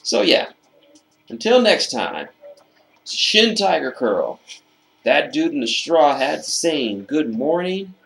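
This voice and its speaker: A man presenting a card game deck in casual commentary, reading out card text and stressing key phrases by slowly repeating them, his voice slightly hoarse. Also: a little high, very animated, a bit bright.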